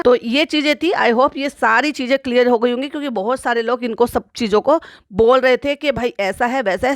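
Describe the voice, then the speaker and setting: A woman's voice: on the high side, no echo, studio quality. A woman hosting a casual commentary monologue, chatty and repetitive, with frequent exclamatory asides. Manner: chatty, repeats phrases, frequent "bhai sahab" asides. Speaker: YouTube commentary host.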